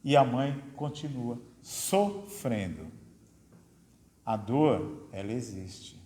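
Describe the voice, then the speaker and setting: Slow-speaking Brazilian man in an echoey hall. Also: medium pitch, animated, mellow. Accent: Brazilian Portuguese. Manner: conversational, tags sentences with "né?", asks rhetorical questions. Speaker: lecturer at a spiritist study center. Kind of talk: spiritist lecture to an audience. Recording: echoey hall with long reverb.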